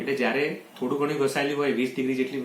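A man at medium pitch, with audible room echo and noticeable background noise. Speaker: orthopedic surgeon. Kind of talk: explanatory interview.

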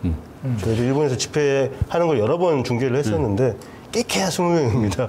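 Lively intonation and very even loudness carry this moderately paced speech over light background noise. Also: man. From South Korea. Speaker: news channel host. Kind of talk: interview. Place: studio. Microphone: lapel.

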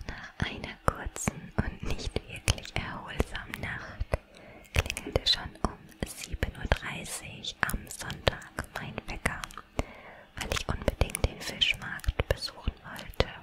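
Against noticeable background noise, a woman whispers at a very slow pace. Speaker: ASMR creator. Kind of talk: ASMR travel vlog voiceover. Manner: whispered.

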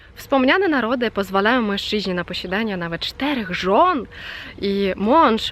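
A woman speaks at a fairly slow pace in a Russian accent. Her intonation is lively. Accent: Russian accent in Polish. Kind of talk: casual talk to camera.

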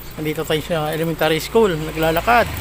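A man talks at a moderate pace in an ordinary speaking voice, pitched fairly high. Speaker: vlogger. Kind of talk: walking travel vlog narration. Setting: outdoors, walking through town. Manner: casual, rambling with many fillers.

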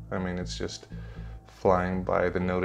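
A man's very deep, low voice with music in the background. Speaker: tech reviewer. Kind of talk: commentary. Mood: calm, informative.

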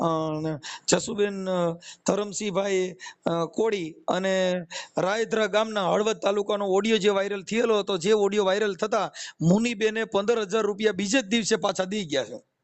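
A man talks with fairly even intonation at a high pitch. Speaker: social activist. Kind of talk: phone conversation. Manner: informal.

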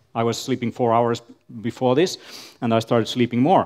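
Against a quiet background, a man speaks with a Finnish accent. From Finland. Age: 30s. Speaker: conference speaker, author. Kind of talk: conference talk. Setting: stage with audience. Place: hall. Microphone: headset.

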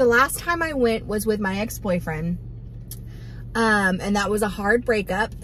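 A woman talks at a moderate pace with ordinary pitch variation in a dry sound with no echo, over light background noise. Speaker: vlogger. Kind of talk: casual vlog chat. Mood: relaxed, chatty. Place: car. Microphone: phone near.

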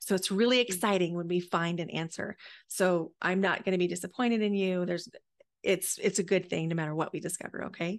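Talking at a fairly quick pace, a woman with a normal speaking voice keeps her medium pitch on fairly even intonation. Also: quiet background. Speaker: podcast host and energy healer. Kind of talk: guided meditation and healing session.

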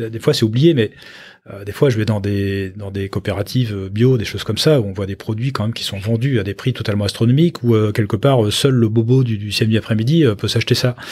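Speaking fairly quickly, a man uses a fairly low, somewhat breathy voice with ordinary pitch variation. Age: 50s. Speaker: entrepreneur. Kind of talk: interview.

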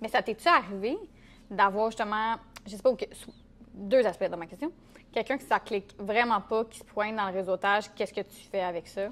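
A woman speaks at a fairly quick pace with a fairly high pitch. Long, frequent pauses interrupt her. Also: ordinary pitch variation, big swings in loudness. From Quebec. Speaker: podcast host, entrepreneur; podcast host. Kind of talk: casual interview. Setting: her workshop studio. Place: home room. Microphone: lapel.

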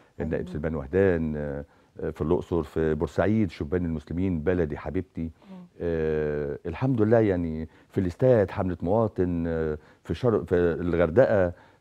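A man's very deep, low voice moves at a moderate pace against a quiet background. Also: ordinary pitch variation. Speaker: guest. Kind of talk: interview answer. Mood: earnest, patriotic. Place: studio. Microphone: lapel.

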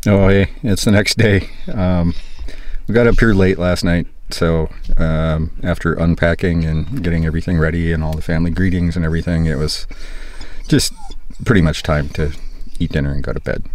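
With long, frequent pauses, a man speaks at a moderate pace in a very deep, low pitch with ordinary pitch variation, the sound dry with no echo. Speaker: vlogger on a road trip. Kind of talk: casual vlog chat. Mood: relaxed, lightly amused. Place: car. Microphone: phone near.

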